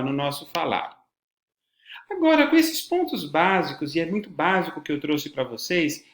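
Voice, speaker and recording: A teacher with a Brazilian Portuguese accent gives a formal, didactic lecture on voice and podcasting, stressing words for emphasis. His voice is high-pitched and a bit bright, with reverberation.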